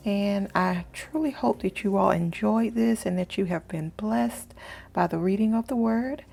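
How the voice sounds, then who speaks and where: A woman hosting a faith vlog and reading aloud in a measured, deliberate way. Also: mid-range voice, creaky. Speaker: faith journaling channel host. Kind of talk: vlog narration and scripture read-aloud.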